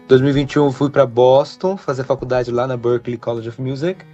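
A young man talks as an interview guest, loose and rambling, full of fillers. His voice sits at an ordinary middle pitch. The audio is a little dull, with soft music underneath. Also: brisk. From Brazil. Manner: relaxed, rambling, many fillers like "né". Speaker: guitarist and composer, interview guest. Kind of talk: casual interview chat.

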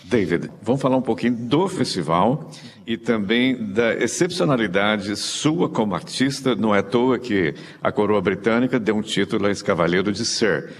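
A man's voice: lowish voice, animated, moderate pace, big-room sound. A man hosting an interview, asking questions and offering effusive, formal praise to his guests. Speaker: host.

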